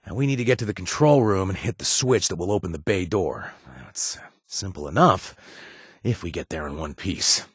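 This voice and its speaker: An actor playing a gruff but awkward, loyal wasteland bartender in a video game, with a husky voice and a halting, casual delivery. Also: male voice, low voice, expressive, no room sound, clean studio sound. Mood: businesslike. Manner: halting, stammering, casual and self-deprecating. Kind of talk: naturalistic video game dialogue.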